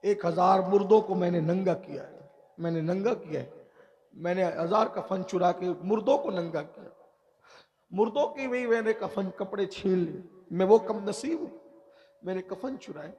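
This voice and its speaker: A man preaching voices a young grave robber confessing in tears, his voice dropped low and pleading. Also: normal speed, darkish tone. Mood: anguished confession. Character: weeping young male grave robber, deeply ashamed.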